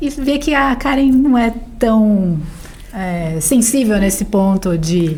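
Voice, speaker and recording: Fairly high in pitch, a woman speaks at a very slow pace with lively intonation. Audible room echo and noticeable background noise are present. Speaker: HR executive. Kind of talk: podcast interview. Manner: soft-spoken.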